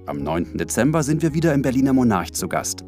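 A man's voice: medium pitch, quick pace. A man co-hosting a podcast, reading the scripted outro in an upbeat way. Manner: lively, upbeat announcing. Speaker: podcast co-host. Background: music.

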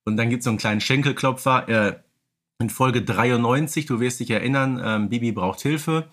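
Male podcast co-host, medium pitch, casual and wryly humorous. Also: normal speed, fairly bright tone. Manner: humorous, tongue-in-cheek.

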